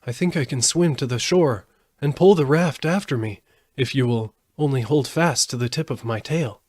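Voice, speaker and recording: A man's voice: mid-range voice, moderate pace, a little mellow, no echo, voice pushed up, close to an everyday voice. A man voicing a big, practical, earnest male lion in a storybook reading. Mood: determined. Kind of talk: storybook character voice in audiobook.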